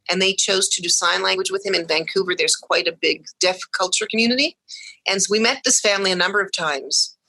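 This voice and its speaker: Bright-voiced woman telling her story. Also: medium pitch, no echo, low-quality recording. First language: English. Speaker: guest, mother of deaf twins. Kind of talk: podcast interview storytelling.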